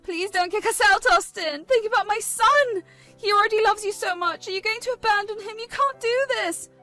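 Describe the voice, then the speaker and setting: A pushy, defiant young rival with a high, insistent voice, as a woman narrator puts her on. She presses her claims and begs by turns, always scheming. This is a spoken storybook voice with faint music behind it. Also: moderate pace, pushed and bright. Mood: pleading.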